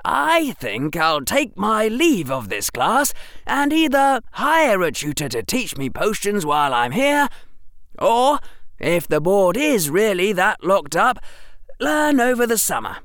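A man's voice: sits high, huge pitch swings, fairly bright tone, no room sound, studio quality, voice pushed up, full character voice. A man doing an icy defiant young boy. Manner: icy, precise, measured. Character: coldly defiant eleven-year-old boy wizard. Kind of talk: audiobook character voice.

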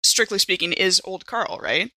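A woman's voice: medium pitch, moderate pace, over a noisy crowd. A woman playing a tabletop game, talking in a casual, playful way.

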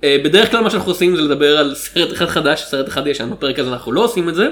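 A man's voice: on the high side, lively intonation, fairly bright tone. A man with an Israeli accent co-hosting a podcast in casual comedic banter, rambling along in a playful, mock-serious way. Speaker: podcast co-host.

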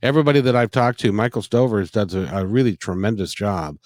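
A man's voice: on the low side, lively intonation, fast, a little mellow, no echo, clean studio sound. A middle-aged man hosting a casual music interview, effusive and rambling, often repeating his phrases. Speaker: interview host.

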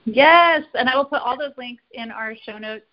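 A woman's voice: fairly high pitch, normal speed. A woman hosting a podcast, chatting casually and encouragingly, often repeating words for emphasis. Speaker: podcast host. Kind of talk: casual interview chat. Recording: slightly dull lo-fi podcast audio.

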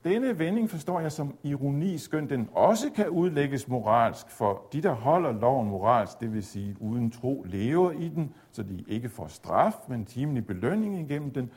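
A man giving a measured, explanatory theology lecture, at times pausing on fillers. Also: medium pitch, big pitch swings, a little mellow, slightly rough. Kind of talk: spoken lecture on Luther's reading of Galatians.

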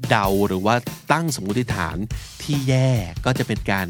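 A man's voice: medium pitch, animated, normal speed, music in the background. Man co-hosting a vocabulary podcast. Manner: explains words in Thai, mixing in English terms. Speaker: podcast co-host teaching English vocabulary. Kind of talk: casual explanatory chat.

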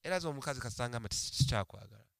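A man's voice: mid-range voice, lively intonation, rapid-fire, gravelly, fairly bright tone, smooth, no echo, studio quality. A young man, telling stories in casual, slangy street talk full of banter. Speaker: podcast participant. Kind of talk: animated casual banter and storytelling.

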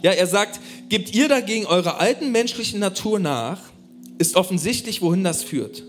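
A man preaching a sermon, addressing the congregation directly in an animated way. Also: sits high, moderate pace, soft background music. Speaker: pastor.

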